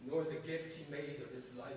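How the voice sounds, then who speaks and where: Man acting grandiose high-pitched coup leader, echoey stage. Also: fairly even intonation, a little mellow, close to an everyday voice. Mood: solemn, grand. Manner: deliberate, dramatic, emphatic pauses. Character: theatrical, grandiose actor turned coup leader dictating a news story. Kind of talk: staged reading, declamatory dictation. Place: theater stage reading before an audience. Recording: echoey stage from far off, faint noise.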